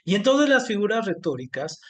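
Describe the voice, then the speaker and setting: A man teaching an online class, speaking haltingly with many fillers and restarts. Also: high-pitched, very animated, fairly bright tone. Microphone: video call.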